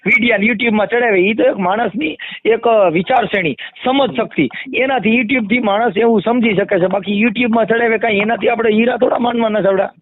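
A man with a Kathiawadi Gujarati accent argues his points insistently in an animated phone discussion, explaining and repeating phrases for emphasis. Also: high voice, moderate pace. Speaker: community activist. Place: phone call. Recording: muffled lo-fi phone call recording.

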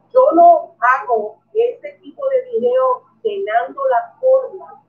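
A middle-aged woman with a Puerto Rican Spanish accent, a YouTuber who collects coins, runs a live stream from her bedroom, reading comments and greeting viewers by name. Her voice sits high, and the webcam mic makes it sound tinny and distant.

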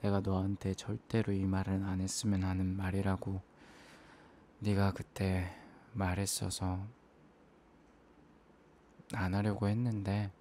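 A man in an ASMR role-play as an apologetic, self-blaming young boyfriend, speaking in a soft, intimate, hesitant murmur. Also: low voice, completely flat delivery, measured pace, pauses often, slight background noise.

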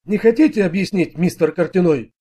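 A composed detective who presses his questions politely and without hurry, read by a man. The voice sits fairly high. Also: brisk, dark tone, slightly rough. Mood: steady. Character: calm, persistent male police detective.

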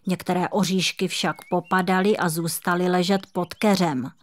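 A woman voicing a cheerful, kind female squirrel in a children's audiobook, gentle and encouraging. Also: lowish voice, fairly even intonation, natural voice.

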